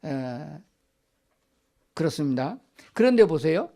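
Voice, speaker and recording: An older man preaching in a church sanctuary, his voice sitting a little higher than most men's. He keeps asking his listeners questions and then answers them himself. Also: sing-song, takes it slowly, warm tone. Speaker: pastor. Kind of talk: Sunday sermon.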